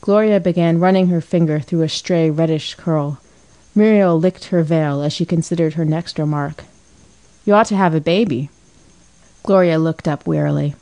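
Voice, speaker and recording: Calm woman audiobook narrator, low and mellow. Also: normal speed. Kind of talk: scripted narration.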